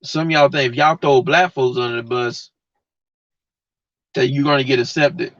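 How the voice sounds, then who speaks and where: A livestream host, a man with a mid-range, fairly bright voice, rants bluntly and heatedly in slang straight to his live chat. His intonation stays fairly even and his speed is normal. The dull lo-fi mic picks up no room sound.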